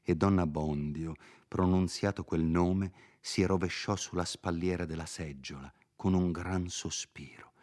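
A man reading a classic novel aloud in measured, expressive narration. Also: sits low. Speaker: reader.

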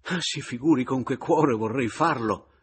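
A man's voice: medium pitch, moderate pace, breathy edge, pitched above the performer's own voice. A man reading an audiobook, voicing an obsequious male secretary with a pleading, fawning manner.

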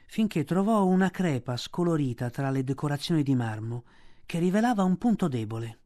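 A man reading a children's classic aloud for a radio audiobook, with measured, vivid storytelling. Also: a little high, a little mellow. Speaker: reader.

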